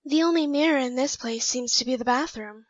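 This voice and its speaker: High, theatrical scheming mirror clone played by a woman. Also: brisk, no echo, dull audio, lightly acted. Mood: curious. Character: mirror-born female clone, quirky aspiring world conqueror. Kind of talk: amateur audio drama acting.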